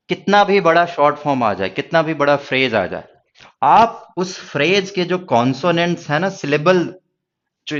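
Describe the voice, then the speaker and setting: A man's voice: fairly high pitch, highs cut off. Reassuring Hindi-accented male teacher. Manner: reassuring, talks straight to students with rhetorical questions. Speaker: stenography teacher. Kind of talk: classroom lecture.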